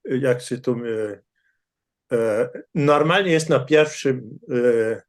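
A man joining a webinar discussion over a video call, halting and hesitant as he corrects himself. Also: mid-range voice. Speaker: webinar participant. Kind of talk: discussion with a lecturer.

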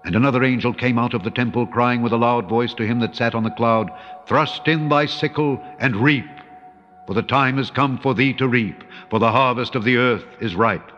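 A man giving a measured, solemn reading of scripture, slowing for emphasis and rising in pitch for quoted proclamations. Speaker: Bible reader. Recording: dull long-reverb recording over soft music.

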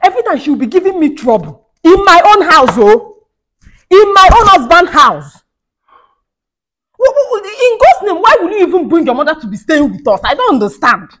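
A woman's voice: high voice, sing-song, very fast, few pauses. A woman playing a fiery young wife who rants and scolds, repeating herself. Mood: scolding. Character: fiery young wife feuding with her mother-in-law. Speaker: skit actor. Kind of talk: comedy skit acting.

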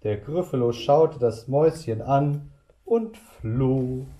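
Kita teacher guy reading a kids' story super slowly, mellow voice, echoey room. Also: mid-range voice, animated. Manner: slow, deliberate storytelling. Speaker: kindergarten teacher. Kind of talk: reading a picture book aloud. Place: kindergarten room. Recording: roomy echo.

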